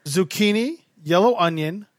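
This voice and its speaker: A man's voice: high voice, lively intonation, normal speed, dry recording, clean studio sound. A man co-hosting a podcast, running a quiz game in a playful, hyping way with many fillers. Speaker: podcast co-host, quiz master. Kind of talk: casual chat.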